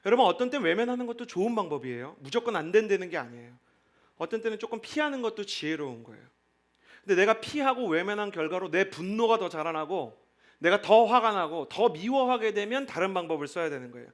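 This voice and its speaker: A male pastor with a fairly high voice preaching to a young adult congregation. He talks in an easy, chatty way and keeps turning to the listeners with questions. He leads them in reading scripture aloud together. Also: very animated, fast talker. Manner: conversational, asks the congregation questions.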